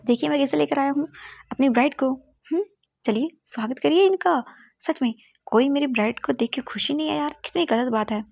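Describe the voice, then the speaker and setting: A woman's voice: fairly high pitch, normal speed, creaky, a little mellow, breathy edge, no echo. Woman putting on a wheedling teasing young groom. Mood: pleading. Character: playful teasing young man, new groom.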